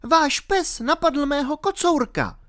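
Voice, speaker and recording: A man's voice: extremely high pitch, lively intonation, fairly bright tone, pitched above the performer's own voice. A man voicing a plucky sixteen-year-old girl in an audiobook, speaking firmly and insistently. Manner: bossy, insistent girlish voice. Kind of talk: audiobook reading.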